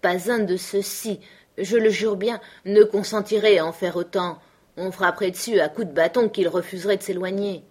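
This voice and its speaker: Brief: woman reader as a weary, gruff grown man on the trail, grumbling, dismissive. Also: mid-range voice, fairly even intonation, normal speed, darkish tone, close to an everyday voice. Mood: emphatic. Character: gruff, weary adult male trapper.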